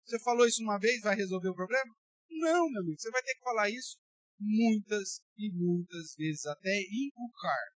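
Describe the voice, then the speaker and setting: A man's voice: sits high, animated, fairly quick, no echo. Brazilian pastor guy, blunt and slangy, preaching straight at you, dry close sound. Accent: Brazilian Portuguese. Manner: emphatic, blunt, slangy and direct with listeners. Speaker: pastor teaching a Bible study. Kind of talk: colloquial sermon.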